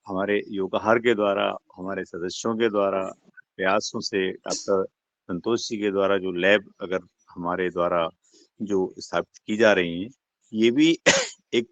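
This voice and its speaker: A low-pitched man heard over a phone or call line, his voice dull and lo-fi with a dry, close sound. He addresses a meeting in a formal, measured way and often pauses on drawn-out fillers. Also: fairly bright tone, dry recording. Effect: heard over a phone or online call line. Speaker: meeting participant.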